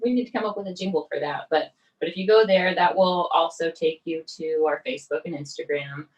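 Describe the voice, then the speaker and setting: A chatty woman co-hosting a podcast, her voice sitting low for a woman. She talks casually and loosely, with plenty of "like". She sounds a little distant from the microphone. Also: brisk. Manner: chatty, uses "like" a lot. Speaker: podcast co-host.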